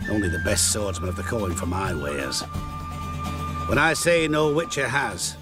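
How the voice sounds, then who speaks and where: An actor playing a seasoned male sword merchant in a game scene, giving a matter-of-fact sales pitch for his blade. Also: lively intonation, slow pace. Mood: businesslike. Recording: game scene with music behind.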